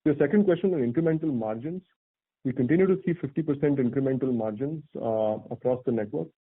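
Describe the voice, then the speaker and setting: Man executive on a tinny phone line. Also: mid-range voice. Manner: measured, articulate, corporate. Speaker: company executive answering analysts. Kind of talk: earnings call answers. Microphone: phone conference call.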